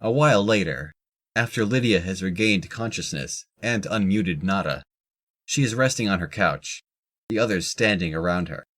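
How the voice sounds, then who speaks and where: A man's voice: low voice, expressive, moderate pace, fairly bright tone. A man reading scripted narration for an audio drama as its narrator.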